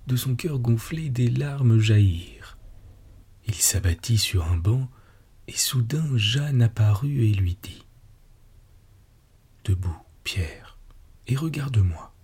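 A male narrator reads a literary tale in a slow, measured and solemn way. His voice is low, dark and husky, unhurried from line to line.

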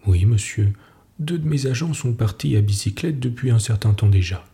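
A man reading the part of a shrewd male police commissioner who talks in a measured, knowing way. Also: mid-range voice, expressive, creaky, dark tone.

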